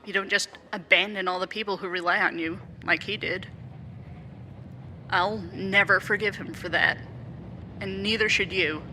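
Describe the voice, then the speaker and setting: A woman's voice: medium pitch, bright, forceful tone, slight background noise, poor audio. A woman playing a resolute, principled interim mayor who is weary of politics and speaks firmly and plainly in an audio drama. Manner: firm, plain-spoken, deliberate.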